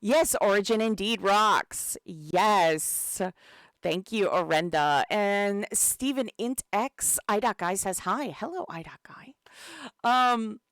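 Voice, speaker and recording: Woman community manager with a cold, laid-back stream host, slow delivery, smooth tone. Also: mid-range voice, no echo, studio quality. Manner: chatty and relaxed, many fillers, greets chat. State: has a cold. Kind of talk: casual live-stream commentary.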